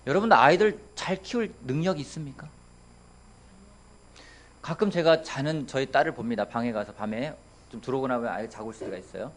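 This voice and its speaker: A man's voice: medium pitch, brisk. A man in his thirties, a pastor preaching a sermon in a church, asking his congregation questions and acting out quotes playfully. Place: church sanctuary.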